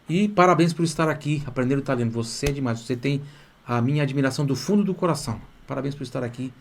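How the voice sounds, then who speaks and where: A Brazilian man with a mid-range voice teaches a live online class at a brisk clip. He speaks with eager enthusiasm, coaxing his students along and checking in with them often. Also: medium pitch. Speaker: language teacher and course host.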